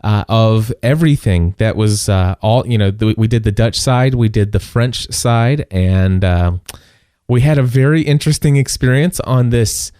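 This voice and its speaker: A man's voice: lowish voice, moderate pace, dark tone, no echo. Chatty male podcast host, dry studio sound. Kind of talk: casual conversational interview.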